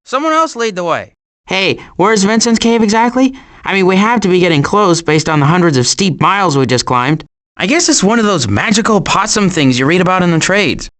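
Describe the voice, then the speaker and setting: Sarcastic, animated cartoon critter. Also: male voice, sits high, a little fast. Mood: wry, exasperated. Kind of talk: animated video game voice acting.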